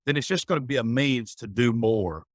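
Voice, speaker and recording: A man's voice: mid-range voice, moderate pace, no room sound. A middle-aged man speaking as a podcast guest, giving earnest, folksy advice in a reflective conversation. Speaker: guest, business owner.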